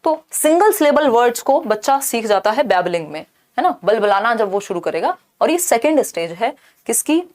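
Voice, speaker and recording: A woman's voice: fairly high pitch, big pitch swings, normal speed, a little mellow. Woman teaching an exam-prep lesson. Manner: explains step by step, mixing in English terms; asks rhetorical questions and checks in with "thik hai".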